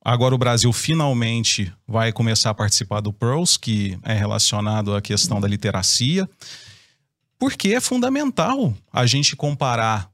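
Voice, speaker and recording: A man's voice: medium pitch, moderate pace, a bit bright, dry recording. Brazilian man explaining his take on schooling, opinionated, dry close sound. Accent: Brazilian Portuguese. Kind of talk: casual discussion.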